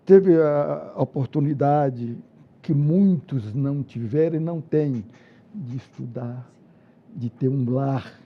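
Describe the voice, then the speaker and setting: An older former football coach, a guest in a studio interview, who speaks haltingly, repeating words and restarting phrases. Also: male voice, medium pitch, muffled recording.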